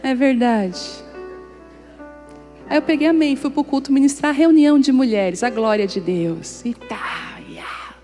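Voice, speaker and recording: Woman pastor, higher-pitched mellow voice, preaching with jokes and acted-out dialogue, soft music behind. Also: normal speed. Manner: lively, humorous, acts out dialogue in anecdotes. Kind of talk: storytelling sermon. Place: church service before a congregation.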